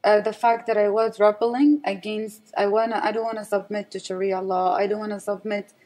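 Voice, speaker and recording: A woman with an Arabic accent and a medium-pitched voice speaks as a guest in an interview. Her English is non-native and halting, and she often searches for words while giving personal testimony. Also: level tone, a little mellow. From West Bank, raised in Saudi Arabia.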